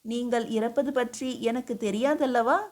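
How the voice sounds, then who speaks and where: A woman's voice: fairly high pitch, fairly even intonation, normal speed, a little mellow, natural voice. A woman voicing a humble, devoted queen who speaks earnestly and pleadingly, in an audiobook reading. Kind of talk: audiobook character voice.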